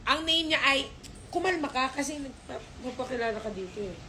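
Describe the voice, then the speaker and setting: A woman with a somewhat high voice talks casually on a live stream, slipping into baby-talk and playful scolding with her dogs. She is recorded on a phone. There is a faint hiss under her voice. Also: lively intonation, normal speed, bright, forceful tone, low-quality recording.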